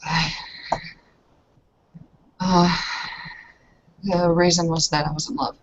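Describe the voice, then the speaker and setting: A woman's voice: lowish voice, level tone, slow. A woman playing a guilty, defensive young tribal oathbreaker in a roleplay game, giving hesitant but blunt answers. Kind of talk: tabletop roleplay in character. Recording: dull online video call.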